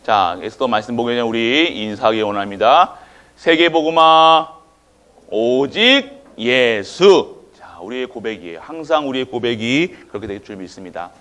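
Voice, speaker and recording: With a fairly low but bright voice, this pastor delivers his sermon animatedly and fairly quickly, barely pausing. He regularly tests the congregation with questions in call-and-response fashion and waits for their answers.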